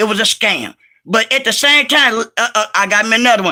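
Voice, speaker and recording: A man speaks in a raised, projected voice with a bright, sharp tone. His delivery is animated, with ordinary pitch variation. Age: 40s. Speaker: reaction channel streamer. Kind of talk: livestream chat reaction and trash talk. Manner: animated, repetitive with many fillers; stuttering.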